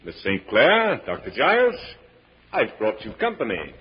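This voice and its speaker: An actor playing a grandiose, menacing mad professor in an old-time radio drama, theatrical and commanding. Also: male voice, medium pitch, wildly swooping pitch, a little slow, dull audio, slight background noise. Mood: commanding, gloating.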